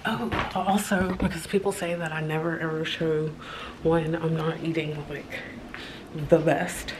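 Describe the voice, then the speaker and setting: A woman's voice: low voice, little pitch movement, a little slow. A middle-aged American woman chatting casually to camera as a vlogger in a hotel room. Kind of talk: casual vlog chat, showing items to camera. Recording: clearly noisy room sound.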